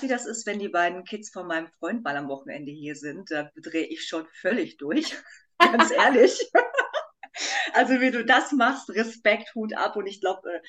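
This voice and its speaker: A woman's voice: mid-range voice, fairly bright tone. A woman hosting a podcast and working as a Pilates trainer, speaking in an enthusiastic, emphatic way and laughing easily. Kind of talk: casual interview chat.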